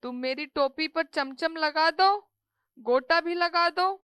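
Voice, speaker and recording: A boastful little male mouse from a children's storybook cartoon, as a woman narrator voices him, chanting his threats in a sing-song way. The voice sits very high and sounds bright and sharp. It is recorded dry and close, with no room sound. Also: takes it slowly, no room sound, heavily acted. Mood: pleased.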